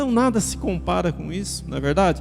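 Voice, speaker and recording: A man speaks at a moderate pace with music in the background and audible room echo. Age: 60s. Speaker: pastor. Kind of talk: sermon. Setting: church service with congregation.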